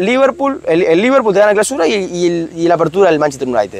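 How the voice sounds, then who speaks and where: Over noticeable background noise, a high-pitched man talks at a very fast pace with very wide pitch swings. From Uruguay. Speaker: football content creator. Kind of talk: casual chat. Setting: football stadium.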